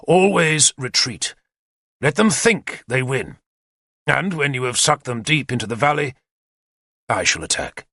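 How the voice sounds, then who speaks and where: A man voicing a confident, energetic male war leader who lays out battle plans decisively. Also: mid-range voice, normal speed, no room sound, studio quality, voice pushed up. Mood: commanding. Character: bold confident male warlord commander.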